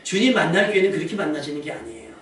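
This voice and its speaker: High-voiced pastor preaching in an echoey hall. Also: male voice, rapid-fire, gravelly, far from the mic. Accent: Korean. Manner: animated preaching, acting out quoted voices. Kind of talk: sermon. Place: church sanctuary.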